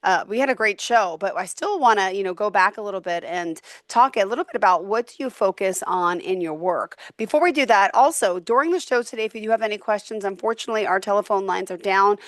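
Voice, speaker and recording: A woman's voice: mid-range voice, quick pace, few pauses, no room sound, clean studio sound. A woman hosting an interview show in a conversational style, introducing and questioning a guest.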